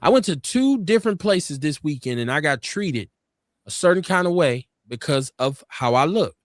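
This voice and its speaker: Clean studio sound with no room echo carries this man's normal-paced delivery. An urban Black American from the US, he hosts a live web talk show, reading audience comments out loud in a relaxed way until he turns preachy and animated, vaulting into a high pitch to land his points.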